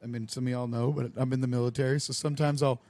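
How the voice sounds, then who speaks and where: Young man hosting a podcast, lively anecdote teller who plays out the dialogue, mid-pitched, dry close sound. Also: very fast, no echo. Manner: animated storyteller who acts out quoted dialogue with lively voices. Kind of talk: casual storytelling chat.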